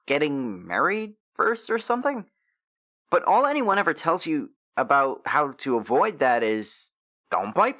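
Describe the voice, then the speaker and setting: A man playing an awkward, embarrassed sixteen-year-old werewolf boy in an audio drama, hesitant, stammering and clearing his throat. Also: fairly high pitch, bright, forceful tone, exaggerated voice.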